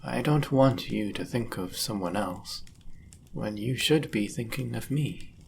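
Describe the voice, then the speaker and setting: A man's voice: mid-range voice, animated, vocal fry, a little mellow, a little hiss or hum. A man voicing a powerful, possessive demon in love, speaking intensely and formally in a dramatic fantasy audio roleplay. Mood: earnest, possessive. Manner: intense, deliberate, formal and archaic phrasing. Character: powerful, possessive, lovestruck male demon bound to a sorcerer.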